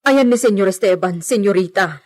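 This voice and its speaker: A woman's voice: medium pitch, expressive, fairly quick, darkish tone, lightly acted. A woman playing a married housemaid who speaks respectfully and reassures her mistress. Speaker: servant. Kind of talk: amateur audio drama acting.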